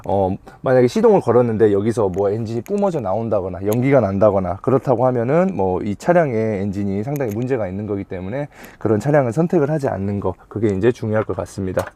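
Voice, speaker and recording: Mellow-voiced man, polite car-dealer presenter. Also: lowish voice, animated, fast, few pauses. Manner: polite, explanatory salesman patter with formal endings. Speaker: used car dealer presenting a truck-buying guide. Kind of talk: informal explainer presentation to viewers. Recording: faint background noise.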